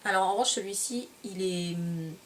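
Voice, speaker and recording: Woman beauty vlogger, mid pitch, chatty review that hunts for words, voice a touch far from the mic with faint hiss. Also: moderate pace. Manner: chatty, searching for words, self-correcting. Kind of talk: casual product review.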